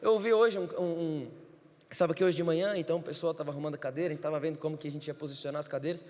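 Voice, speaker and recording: A man's voice: on the high side, fairly even intonation, rapid-fire, a little mellow. A man, a pastor, preaching an emphatic storytelling sermon in a church. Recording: church hall reverb.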